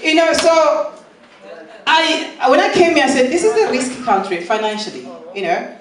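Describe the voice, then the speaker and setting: A young man from Malawi doing a halting, rambling stand-up set, laughing at his own jokes, recorded at a live venue. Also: very high-pitched, big pitch swings. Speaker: stand-up comedian. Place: live comedy venue with audience. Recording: echoey room, far from mic, crowd noise.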